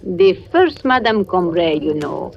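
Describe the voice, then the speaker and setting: An insinuating village gossip. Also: female voice, fairly low pitch, big pitch swings, vocal fry, full character voice. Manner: insinuating, slow and pointed. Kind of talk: 1940s radio acting. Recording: lo-fi vintage radio recording.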